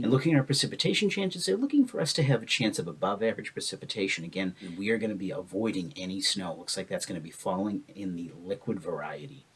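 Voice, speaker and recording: A man giving a local TV weather forecast in a brisk, upbeat way. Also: lowish voice, slightly rough.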